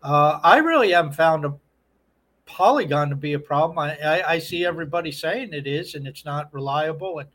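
Male podcast co-host, slightly high voice, relaxed conversational style of talk. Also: a little fast. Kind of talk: casual chat.

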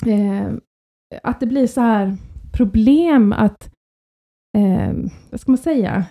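A woman co-hosting a podcast, telling family stories in a lively, casual way and often breaking into laughter. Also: on the high side. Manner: lively storytelling, with frequent laughs. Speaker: podcast co-host. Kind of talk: casual chat.

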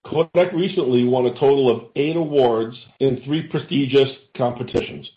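A man, a company chief executive, reads a scripted earnings call presentation in a formal, measured way with deliberate phrase breaks. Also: medium pitch. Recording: dull, echoey conference call audio.

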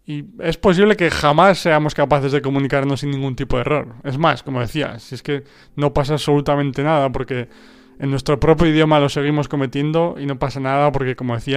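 A man with a smooth, medium-pitched voice hosts a podcast on language learning. Spanish is his first language. Speaking casually and thoughtfully on his own, he often starts over and checks in with listeners using rhetorical "¿no?"

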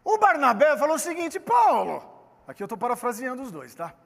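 High-voiced Brazilian preacher, animated. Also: male voice, fast. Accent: Brazilian Portuguese. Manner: animated, joking, talks straight to the congregation. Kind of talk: lively sermon. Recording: long hall reverb.

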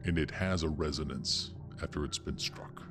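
A middle-aged man speaking as a game master, explaining a role-playing story in deliberate, halting phrases. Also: extremely low pitch, gravelly, music in the background.

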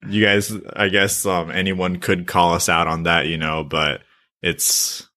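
A young man co-hosting a podcast with a bright, forceful tone over a fairly low pitch. He keeps things easygoing and laughs often. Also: flat delivery, measured pace. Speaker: podcast co-host. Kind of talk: casual chat.

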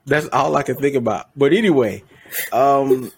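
Man, podcast co-host, husky tone, mid pitch, relaxed rambling chat, self-correcting. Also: normal speed. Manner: rambling, self-correcting, laughs at own slips. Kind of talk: casual chat.

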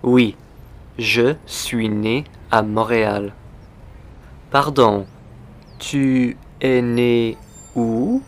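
A man hosting a language lesson, speaking slowly and deliberately and repeating simple phrases for learners. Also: mid-range voice, steady tone. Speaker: language teacher. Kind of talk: slow scripted language lesson.

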